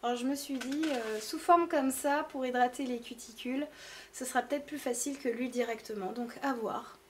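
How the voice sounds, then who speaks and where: A woman's voice: high voice, brisk, slight background noise. A woman chatting casually to camera about beauty products, hesitant and full of fillers. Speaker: beauty vlogger. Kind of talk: casual product haul talk.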